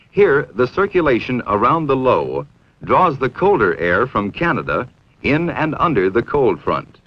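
An American man reading scripted 1960s training film narration in a formal, measured, authoritative manner. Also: medium pitch. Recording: dull, aged 1960s film soundtrack.

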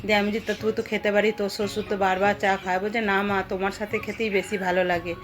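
A woman's voice: mid-range voice, level tone, fast talker. A middle-aged woman with a West Bengal Bengali accent narrates a homely vlog in a chatty way, speaking straight to her viewers. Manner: chatty, addresses viewers directly as friends. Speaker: homemaker and vlogger. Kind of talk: casual vlog voice-over narrating cooking and household routine. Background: music.

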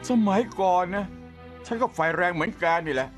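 A gruff cynical veteran cop. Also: male voice, high-pitched, lively intonation, brisk, fairly bright tone, soft background music. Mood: mocking. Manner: blunt, scolding, dry sarcasm. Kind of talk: Thai dub of a TV drama.

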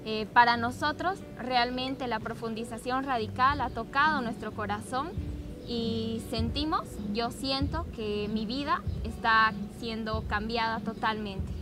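A young woman from Bolivia with a fairly high voice speaks with fervent conviction. She sits on an outdoor lawn, picked up by a distant camera, with clear music behind her. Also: unhurried. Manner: earnest, fervent. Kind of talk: testimony to camera. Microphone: far camera.

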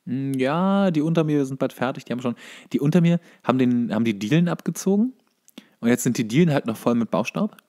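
Youngish guy on a podcast, talks fast, casual, jokey dry remarks. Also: mid-range voice, animated, warm tone. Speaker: podcast co-host. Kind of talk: casual banter.

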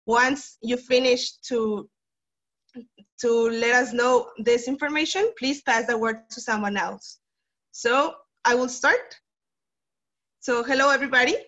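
A woman's voice: fairly high pitch, unhurried, pauses often, bright, forceful tone. Young Mexican woman moderating a video call. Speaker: workshop moderator. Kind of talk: online workshop introduction. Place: small room indoors. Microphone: laptop video call. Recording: muffled video call audio.

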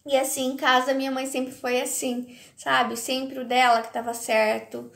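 A woman's voice: sits high, flat delivery, unhurried, creaky, a bit bright, slight background noise. A woman in her thirties giving a casual devotional talk, speaking hesitantly and often checking in with her listeners. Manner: hesitant, keeps asking "sabe?". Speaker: faith vlogger. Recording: echoey room.

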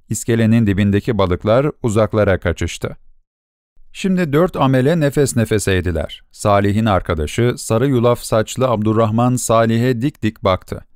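A man narrating a short story for an audiobook in a measured storytelling delivery. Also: mid-range voice, a little mellow, smooth, dry recording, studio quality. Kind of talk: scripted narration.

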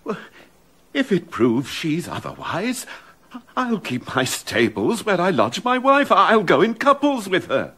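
Brief: a loyal courtier in a verse radio play, lively, swinging pitch. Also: male voice, unhurried, full character voice. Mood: vehement. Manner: urgent, pleading, lively pitch. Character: loyal, outspoken old courtier. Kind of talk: classic stage verse drama, radio play.

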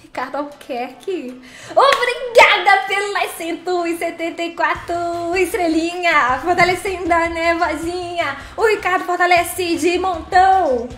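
Speaking at an extremely high pitch and an unhurried pace, this woman has a fairly bright tone. She's on a live stream, casually reading chat and teasing viewers in a playful, chatty manner, and the recording has room echo and faint background music.

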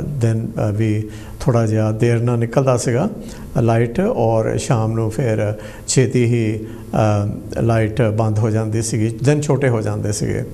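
Gravelly, mellow-voiced male host. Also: medium pitch. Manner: unhurried, reminiscing, with frequent hesitations. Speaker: host of a phone-in memories show. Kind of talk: casual broadcast chat. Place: TV studio.

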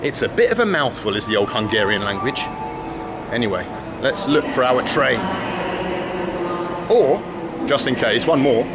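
A man's voice: mid-range voice, very animated, normal speed, pauses often, loud music behind the voice. A man in his thirties chatting with wry asides to a handheld camera at arm's length, vlogging his travels through a big train station and onto a train. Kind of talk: casual travel vlog to camera. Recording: noisy station and train ambience.

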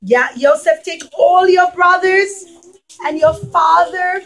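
A woman's voice: very high-pitched, slow, fairly bright tone, voice pushed up, exaggerated voice. A woman voicing a boastful king in a children's puppet show, declaiming emphatically. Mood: grand, proud.

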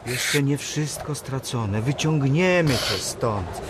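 An actor playing a blunt, exasperated mountaineer taking charge of stranded companions in a radio drama. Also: male voice, mid-range voice, animated, takes it slowly, very noisy. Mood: grave, consoling.

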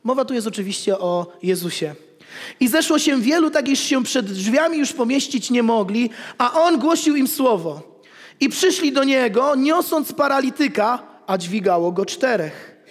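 High-voiced pastor preaching in a reverberant church. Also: male voice. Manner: animated, gestures while preaching, jokes with the congregation. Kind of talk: sermon. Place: church hall with congregation. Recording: long reverb of a church hall.

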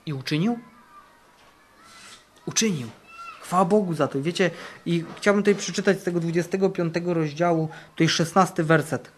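A male camp preacher in full sermon mode, his fairly high voice rising for bold declarations and dropping for quiet, earnest passages. He drives points home by repeating key phrases. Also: normal speed, slight background noise. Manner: fervent, repeats phrases for emphasis, swings between loud and hushed. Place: camp meeting.

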